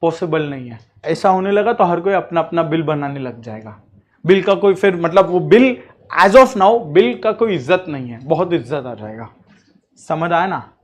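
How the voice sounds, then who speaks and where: A man's voice: a little high, lively intonation, moderate pace. A man teaching a law class, mixing in English terms and often checking that the class follows. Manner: mixes English terms into speech. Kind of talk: classroom lecture.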